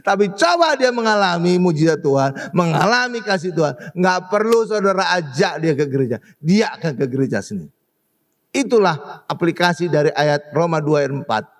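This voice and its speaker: A man preaching with a high voice that leaps all over the place. He exclaims and keeps turning to the congregation for agreement. His sermon delivery is lively throughout. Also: moderate pace. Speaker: pastor.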